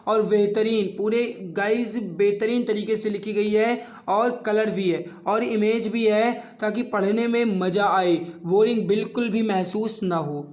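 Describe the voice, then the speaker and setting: A man speaking as an online exam-prep teacher, addressing students familiarly with emphatic repetition. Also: sits high. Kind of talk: quiz lesson for exam students with promotional pitch.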